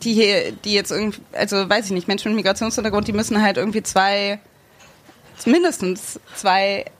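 A woman's voice: mid-range voice, fairly quick, a little hiss or hum. Hesitant young woman, thinking aloud. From Germany, raised bilingual. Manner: hesitant, searching for words with many fillers. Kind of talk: casual chat.

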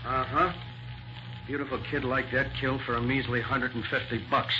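An actor playing a gruff, folksy homicide sergeant in a 1940s radio drama. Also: male voice, medium pitch, flat delivery, moderate pace, natural voice. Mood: grimly indignant. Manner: blunt, folksy tough-cop talk. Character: gruff, blustery male police homicide sergeant. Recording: muffled, very noisy 1940s radio recording.

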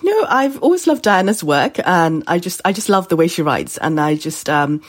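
A woman's voice: lowish voice, lively intonation, moderate pace. A woman originally from Bangladesh, talking reflectively as a guest in an interview and often saying "you know". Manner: warm, reflective, many fillers like "you know". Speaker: food writer and guest. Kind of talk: conversational interview.

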